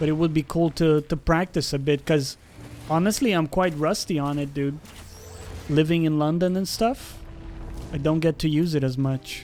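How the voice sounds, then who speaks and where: In a Brazilian accent, a man talks at a moderate pace in a fairly high voice with fairly even intonation. He leaves long, frequent pauses. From Brazil, Porto Alegre (then Ibiza, Spain from 12). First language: Brazilian Portuguese. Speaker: gaming streamer. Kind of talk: live gameplay stream chat. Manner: casual, reactive.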